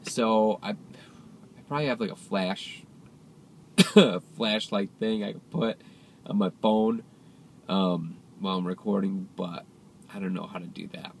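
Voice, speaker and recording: A man's voice: sits low, fairly even intonation, measured pace, creaky, long pauses. A young man with a nasal, congested voice from a cold, chatting casually and rambling while filming himself in his car. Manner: rambling, chatty, self-deprecating. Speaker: vlogger. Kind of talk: casual driving vlog. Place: inside a moving car. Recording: loud road and engine noise.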